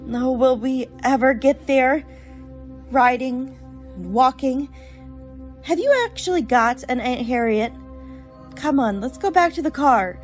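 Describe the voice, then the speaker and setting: A woman's voice: sits high, slow pace, pauses often, faint music behind. A woman playing a weary, sarcastic young college student in a radio play, blunt and grumbling. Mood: irritated, tired.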